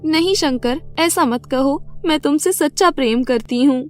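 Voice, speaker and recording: High-voiced lovestruck young fairy played by an actress. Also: female voice, measured pace, faint music behind. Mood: pleading. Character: young lovestruck fairy woman, earnest and determined. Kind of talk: Hindi animated fairy-tale voice acting.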